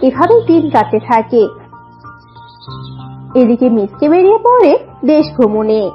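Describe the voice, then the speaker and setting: A woman's voice: sits high, big pitch swings, a little slow. A woman narrating a scripted cartoon story. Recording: dull lo-fi audio, music behind.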